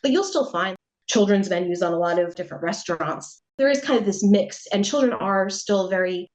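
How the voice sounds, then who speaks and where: A woman's voice: medium pitch, lively intonation, brisk, a little mellow, rough recording. A middle-aged American woman talks through her answers in an easy, conversational manner. She hedges often and muses aloud, with a light laugh now and then. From United States. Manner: chatty, reflective, with frequent hedges and laughs. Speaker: interview guest, writer. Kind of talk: casual interview answers.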